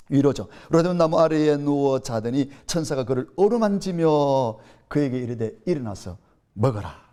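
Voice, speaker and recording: A man's voice: on the high side, mellow. A man in his fifties, a pastor with a Gyeongsang accent, preaching an earnest storytelling sermon that rises to emphatic peaks. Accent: Gyeongsang Korean.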